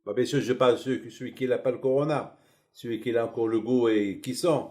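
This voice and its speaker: A middle-aged man giving a sermon as a rabbi, telling stories in a lively, colloquial way. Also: medium pitch, a little fast. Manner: animated, colloquial storytelling.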